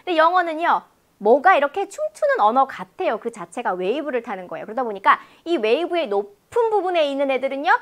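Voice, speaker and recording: A woman teaching an exam-prep listening lecture, animated and demonstrative, exaggerating sounds for her students. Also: high-pitched, fast talker.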